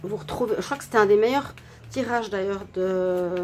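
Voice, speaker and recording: A woman with a stuffy nose from a cold gives a relaxed tarot reading for her viewers, gentle and halting with many hesitations. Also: medium pitch. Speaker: tarot reader.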